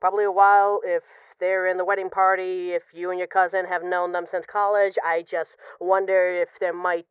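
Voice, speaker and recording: A woman's voice: on the low side, level tone, clear, resonant tone, dry recording, lo-fi sound, lightly acted. A woman playing a possessive, lovesick mafia boss in an intimate, conversational audio roleplay of voicemails. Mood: hesitant, jealous. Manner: conversational, teasing, halting when emotional.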